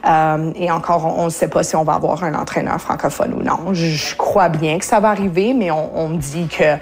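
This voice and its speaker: Mom on the radio, bit low voice, lots of umms and restarts. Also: female voice, fairly even intonation, brisk. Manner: hesitant, many fillers and restarts. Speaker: parent interviewed on radio. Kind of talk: radio interview.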